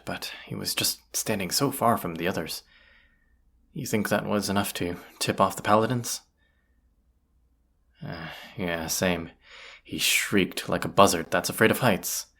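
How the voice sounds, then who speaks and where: A performer voicing a folksy, plain-spoken bandit leader in an audio roleplay, with a gravelly, husky voice and a conversational, wry manner. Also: low voice, moderate pace, heavily acted. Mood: wry, amused. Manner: folksy, conversational, hushed at times. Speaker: character voice actor. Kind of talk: immersive audio roleplay acting, addressing the listener.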